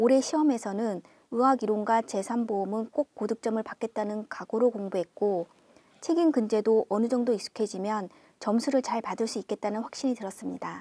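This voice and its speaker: Recorded very cleanly against a silent background, a woman speaks in a dark, mellow tone. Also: dry, close sound with no echo. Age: 50s. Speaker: homemaker, former bank employee, insurance adjuster exam passer. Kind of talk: interview testimonial.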